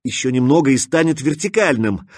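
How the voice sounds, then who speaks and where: A determined young woman in the wasteland, shouting tense commands as a man puts her on. Her voice sits higher than a man's own and stays urgent. The sound is husky, dry and close. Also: expressive, brisk, dry recording, lightly acted.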